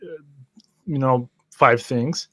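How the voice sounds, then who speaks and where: A man's voice: mid-range voice, slow pace, sharp tone, slightly rough, no echo. A man in a casual chat, explaining his point and checking in with listeners as he goes.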